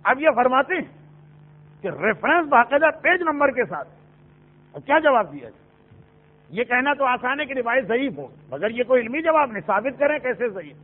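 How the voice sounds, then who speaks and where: Man preaching, very high voice, storytelling, dramatic pauses, thin phone-line sound. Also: very animated. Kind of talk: sermon.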